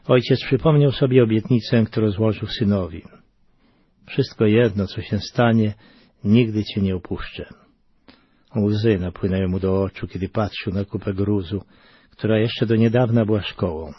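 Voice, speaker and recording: Husky-voiced man reading a moving story. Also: on the low side, no room sound. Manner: earnest, emotional reading with dramatic swells and hushed drops. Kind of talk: read-aloud storytelling. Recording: dull, muffled sound.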